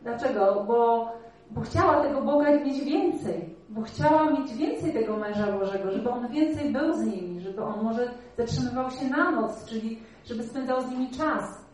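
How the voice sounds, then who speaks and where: A woman's voice: fairly high pitch, normal speed, darkish tone, distant mic. A woman preaching in a very echoey hall. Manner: earnest teaching with rhetorical questions to the congregation. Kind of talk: sermon.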